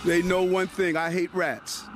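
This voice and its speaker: Defiant high-voiced man in a played clip. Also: flat delivery, unhurried. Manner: emphatic, defiant. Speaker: politician in a news clip. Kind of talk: public speech. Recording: played clip with faint music.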